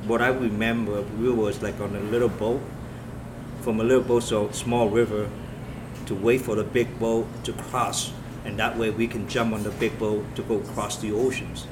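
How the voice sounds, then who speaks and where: A man from Vietnam, a police officer telling his story in an interview in earnest, halting short phrases. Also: on the low side. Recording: noisy room with steady background hum.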